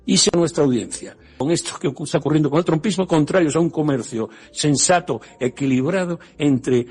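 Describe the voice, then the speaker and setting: A man's voice: on the high side, brisk, darkish tone, breathy edge, long reverb tail. A middle-aged man hosting a program, giving an impassioned, digressive introduction full of hesitations and restarts. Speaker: program host. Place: Brussels.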